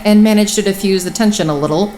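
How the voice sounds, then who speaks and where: An actress playing an irritable, sharp-tongued woman in an audio drama, talking in a blunt, grumbling manner. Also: mid-range voice, fast talker, a little hiss or hum, lightly acted, low-quality recording. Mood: weary, recounting.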